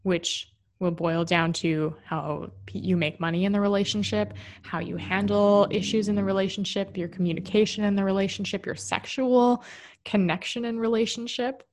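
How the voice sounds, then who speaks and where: A woman's voice: medium pitch, fairly even intonation, moderate pace, darkish tone. A woman giving a candid, rambling casual monologue about relationships, often restarting her sentences. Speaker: relationship and spirituality talker.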